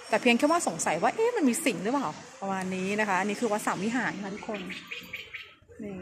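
Woman vlogging on a temple tour, soft chatty voice, noisy outdoor sound, birds around. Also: mid-range voice. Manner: chatty, speaks softly and keeps her voice down. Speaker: travel vlogger touring a temple. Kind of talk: casual guided tour talk. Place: outdoors at a temple on an overcast day.

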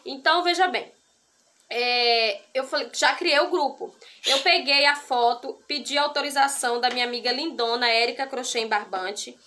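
A woman in her thirties sits outdoors by a brick wall and talks to the camera in a chatty, step-by-step way, full of little fillers. Her voice sits high and bright, and a faint hiss runs under it. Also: fairly even intonation, normal speed. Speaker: crochet vlogger. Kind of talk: casual talk to camera.

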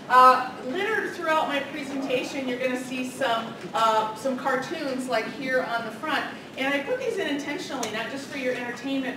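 A loud, energetic middle-aged woman lectures on political science in a big carpeted meeting room. Her voice sits a little high and carries. It is caught by a camera at the back, so it sounds distant and very echoey over a noisy hiss. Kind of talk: public lecture.

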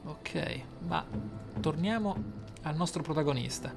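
Guy doing game commentary, kinda dramatic and deliberate, thinks out loud, music playing behind him. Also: fairly high pitch, gravelly. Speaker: gaming YouTuber, player. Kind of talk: game playthrough commentary with role-play musing.

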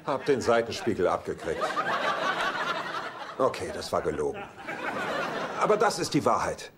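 Animated, self-pitying bachelor womanizer. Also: sits low, normal speed, over a noisy crowd, very noisy. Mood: flippant. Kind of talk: German-dubbed sitcom acting.

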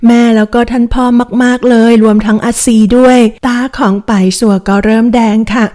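A woman's voice: a little high, little pitch movement, normal speed, warm tone. A woman hosting a drama recap, retelling the story in a chatty, polite, casual way.

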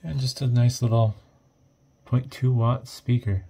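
A man giving casual, off-the-cuff narration of an electronics teardown, thinking aloud in a hesitant, low-key way. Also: fairly even intonation, unhurried, dark tone, husky. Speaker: host of an electronics teardown video.

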